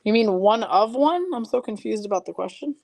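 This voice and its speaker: A woman's voice: medium pitch, lively intonation, fairly quick, gravelly, darkish tone, slight background noise. A woman hosting a live card break, chatting with viewers and reading off card names and teams, her voice a little froggy. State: slightly froggy voice. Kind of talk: live-streamed card break, casual chat.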